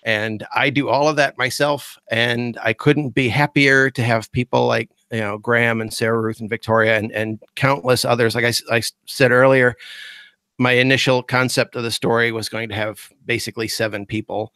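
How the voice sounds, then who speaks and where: A man's voice: medium pitch, steady tone, moderate pace, bright, forceful tone, smooth, dry recording. A man talking casually on a video call as a guest host, rambling with fillers and restarts. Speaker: guest host, podcast creator.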